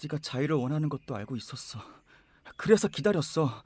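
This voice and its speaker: A lovestruck young gentleman in an audio drama. His voice sits a little high and he speaks with earnest, imploring emotion. The recording is dry and close. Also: animated, fairly quick, husky, no echo. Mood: ardent. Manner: emotional, imploring romantic delivery.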